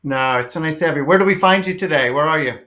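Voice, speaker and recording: Over a video call, a man hosting an interview reads a guest introduction, then chats eagerly and affirmingly, full of ums and uhs. His voice is a little high and sharp in tone, at a quick pace.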